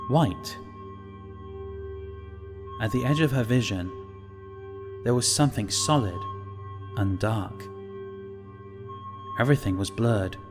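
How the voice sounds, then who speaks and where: Man, story narrator, unhurried measured phrasing, lowish pitch, scripted dramatic reading, faint music behind. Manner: measured, deliberate short phrases. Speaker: audiobook narrator.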